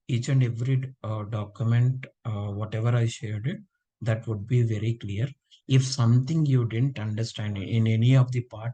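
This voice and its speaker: A man's voice: on the low side, mellow, rough recording. A man teaching a live online class, feeling unwell and checking in with students often. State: unwell, low voice. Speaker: instructor.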